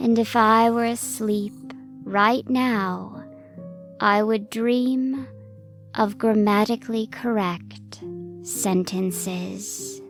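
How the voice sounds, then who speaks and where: Over clear background music, a female-sounding voice performs a put-on character voice at a very slow pace. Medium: read story. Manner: earnest, pedantic.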